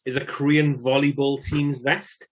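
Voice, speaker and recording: A man co-hosting a casual film podcast over a remote call, quick to laugh and reading out the show's details. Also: medium pitch, flat delivery. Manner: laughs easily, reads out show details. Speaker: podcast co-host.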